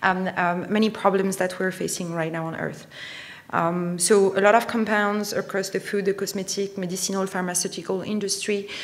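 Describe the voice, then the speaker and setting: A woman's medium-pitched voice with a French accent, moderate pace and monotone, flat intonation, in a room with audible echo. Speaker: company founder and CEO. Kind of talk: conference presentation. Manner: halting, many fillers.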